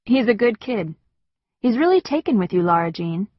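A woman voicing a kind, sentimental middle-aged father who speaks softly. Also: medium pitch, sing-song, normal speed, no echo, muffled recording.

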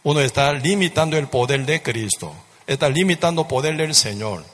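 A man delivering a fervent sermon, his voice pitched slightly high for a man. He hammers points home through repetition and keeps checking in with rhetorical questions. The sound rings with the long reverb of a large hall. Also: animated, normal speed, a bit bright. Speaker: preacher.

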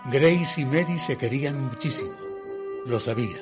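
An actor playing a reflective gentleman who narrates his own eerie tale in a radio drama, in a measured, literary manner. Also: medium pitch, over music, close to an everyday voice. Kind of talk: scripted first-person radio drama narration.

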